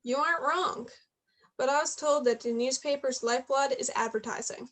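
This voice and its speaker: A woman's voice: sits high, moderate pace, a bit bright. A woman playing an ambitious young journalist and loyal friend, frustrated at times, in a staged reading of a play. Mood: frustrated, venting.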